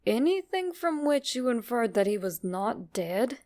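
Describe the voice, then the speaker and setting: A woman voicing a grave, measured male physician with formal, deliberate speech in a dramatic horror reading. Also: on the high side, sing-song, darkish tone. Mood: probing.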